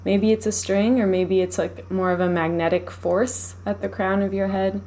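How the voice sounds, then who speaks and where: A woman leading a live guided meditation in a soothing, unhurried, gently instructive manner. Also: medium pitch, little pitch movement, a little hiss or hum.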